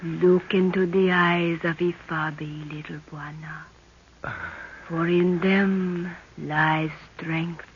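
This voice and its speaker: A woman's voice: lowish voice, fairly even intonation, slow. An actress playing a commanding tribal witch woman in a 1930s radio serial, speaking in formal, incantatory phrases. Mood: hypnotic, commanding. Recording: muffled, noisy 1930s radio recording.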